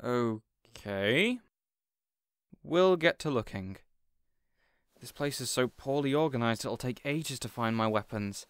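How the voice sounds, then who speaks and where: Man as a lively, considerate supervillain boss. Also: mid-range voice, slow pace, pauses often, smooth, no echo, studio quality. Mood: businesslike. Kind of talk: audio roleplay drama acting.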